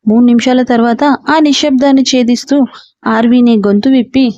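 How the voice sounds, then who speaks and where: A woman storyteller giving a steady scripted story narration. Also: on the high side, normal speed, dry recording, dull audio.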